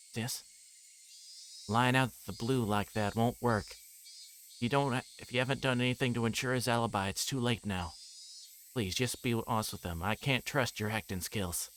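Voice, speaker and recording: A man livestreaming a visual novel, reading its text aloud and breaking into casual, rambling commentary as he thinks out loud. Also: mid-range voice, a little hiss or hum.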